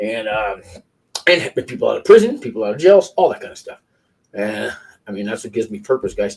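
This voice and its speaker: The speech comes very fast in an American accent, broken by long, frequent pauses. Loudness swings widely throughout. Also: man. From San Francisco, US West Coast. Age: 60s. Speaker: prison channel host, former inmate. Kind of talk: live stream casual chat. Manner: halting, many fillers and restarts.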